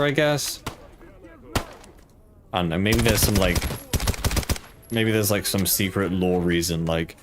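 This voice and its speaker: Over a noisy background, a young Polish man with a British accent and a low-pitched voice makes casual chat during a gaming stream. He rambles and hesitates, with fillers throughout.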